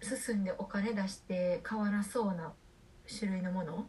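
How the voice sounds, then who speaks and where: A woman speaks at a medium pitch. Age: 20s. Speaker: occasional co-host, university student. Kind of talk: casual chat. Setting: video call.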